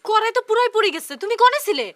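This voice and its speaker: An actress playing a young village daughter who coaxes and pleads to calm her parents. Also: very high-pitched, rapid-fire, a little hiss or hum. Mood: worried. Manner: coaxing, pleading. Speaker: daughter in a TV serial. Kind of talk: TV drama acting. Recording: background music under the dialogue. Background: music.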